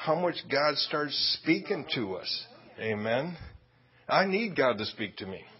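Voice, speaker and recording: A man with a slight Northern US accent talks fairly slowly in an animated tone and a fairly high pitch, with noticeable background noise behind him. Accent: slightly northern US, near Yankee. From Michigan, US. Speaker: missionary preacher. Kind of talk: sermon. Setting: church.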